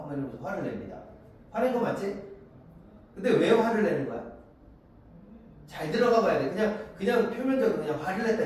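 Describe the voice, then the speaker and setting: A man's voice: fairly high pitch, a little mellow. A man in his forties teaches a literature class from the front of a big classroom, his voice rising and falling a lot as he talks. He keeps asking students to agree and acts out bits of dialogue. The sound is very echoey and distant, with a faint hiss underneath. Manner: acts out the lines of characters and students in quick voices. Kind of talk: classroom lecture.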